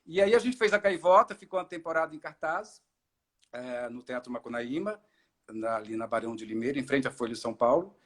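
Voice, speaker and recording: A middle-aged man from Ceará, an actor and director, telling his story in a relaxed live-stream interview, with many fillers and restarts. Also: medium pitch, fairly quick. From Ceará, Brazil. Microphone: video call.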